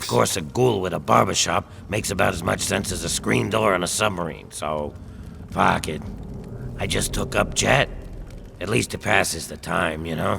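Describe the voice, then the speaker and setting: A man puts on a raspy character voice with a very deep, low pitch at a moderate pace. Background noise is clearly audible. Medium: video game. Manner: laid-back, casual.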